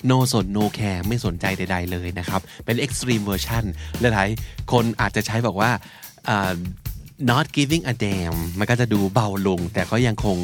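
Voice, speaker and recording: Male podcast co-host, lower register, easygoing teaching chat. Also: takes it slowly, faint music behind. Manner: explains words in Thai, mixing in English terms. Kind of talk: casual explanatory chat.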